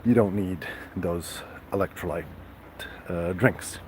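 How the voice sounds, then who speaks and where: A very low-pitched man chats casually with his live-stream viewers. He talks slowly and haltingly, stopping often for fillers and restarts. Faint ambient sound sits behind him. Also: a little hiss or hum. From Serbia.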